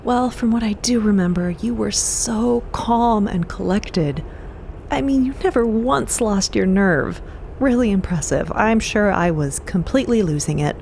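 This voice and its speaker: A woman's voice: mid-range voice, a little slow, creaky, a little mellow. Woman acting chatty, earnest adventurer over noisy ambience. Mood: earnest, candid. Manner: informal, hesitant, earnest. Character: chatty, soft-hearted, candid woman adventurer, Cleo. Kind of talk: narrative audio drama.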